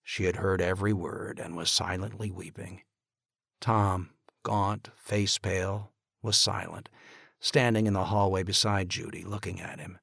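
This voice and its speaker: A man narrating an audiobook in slow, steady storytelling. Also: low-pitched, vocal fry, slightly rough, no echo, clean studio sound.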